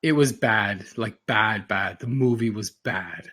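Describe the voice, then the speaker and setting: A man's voice: fairly low pitch, unhurried, fairly bright tone, husky. Emphatic man chatting on a podcast. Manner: emphatic, exasperated, repeats himself for emphasis. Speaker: podcast host. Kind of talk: casual rambling podcast chat. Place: recorded podcast, audio only.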